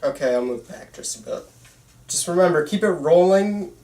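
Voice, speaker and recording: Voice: medium pitch, animated, normal speed, warm tone. A person reading the lead part in an amateur script table read, casual and conversational with some stammering. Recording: roomy, echoey room.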